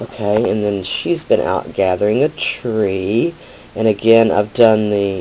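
A man with an American accent speaks at a fairly low pitch and a fairly slow pace. Noticeable background noise is present. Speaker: craft video maker. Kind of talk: casual chat; crafting tutorial and show-and-tell. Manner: halting, many fillers.

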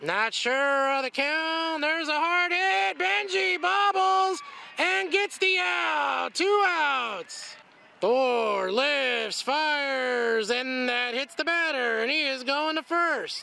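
A man uses a raised, projected voice at an extremely high pitch, his pitch swinging very widely. He speaks very slowly over noticeable background noise. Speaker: youtuber and baseball dad. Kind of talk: live sports commentary. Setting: outdoors at baseball tournament. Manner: upbeat, enthusiastic.

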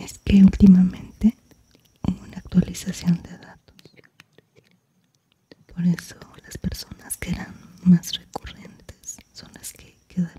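A woman whispers at a fairly slow pace. Her pauses are long and frequent. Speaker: streamer reading a book aloud. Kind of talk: book reading and casual stream chat. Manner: soft-spoken ASMR murmur, close mic.

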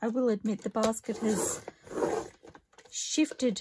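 Soft-spoken at a fairly slow pace, the voice comes through noticeable background noise. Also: woman. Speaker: craft YouTuber. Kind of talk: craft tutorial vlog. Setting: home craft room. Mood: relaxed, cheerful. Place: home room.

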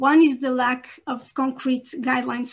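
Over a quiet background, a woman with a Portuguese accent speaks at a high pitch. Her intonation stays fairly even. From Portugal. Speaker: researcher. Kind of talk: academic presentation. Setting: video call. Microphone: webcam.

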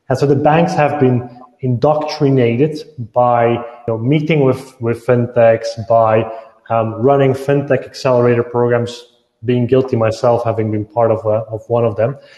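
In a quiet background with audible room echo, a man speaks with fairly even intonation. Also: medium pitch for a man, moderate pace. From Belgium / Italy; Belgium. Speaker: fintech entrepreneur; speaker. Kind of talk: panel discussion. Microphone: earbuds.

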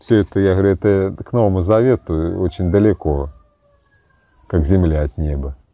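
A man's dark, mellow voice at a fairly low pitch moves at a moderate pace with ordinary pitch variation, in a dry recording with no echo. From central Russia. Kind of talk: video sermon. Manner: animated. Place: garden. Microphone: lapel.

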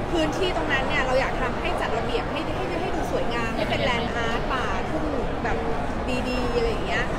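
A woman speaks with crowd noise in the background. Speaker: interviewee. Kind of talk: interview answer. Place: hall. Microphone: handheld.

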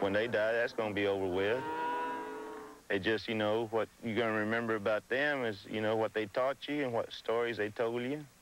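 Recorded dry with no echo and light background noise, a man talks at a fairly quick pace with fairly even intonation. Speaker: ranch hand. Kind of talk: interview testimony. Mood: reflective, nostalgic. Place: farm machine.

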